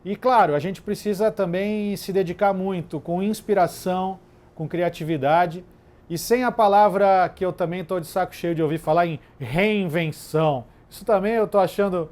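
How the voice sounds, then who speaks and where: High-pitched guy hosting a book fest panel, earnest, opinionated, asking questions. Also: normal speed, darkish tone. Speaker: bookseller and host. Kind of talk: festival panel conversation.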